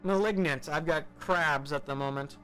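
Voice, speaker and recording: A man's voice: on the high side, moderate pace, fairly bright tone, clean tone, faint music behind, natural voice, low-quality recording. A man voicing a manic, taunting young man in a story, erratic and mock-playful as he rambles. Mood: gleeful, rambling.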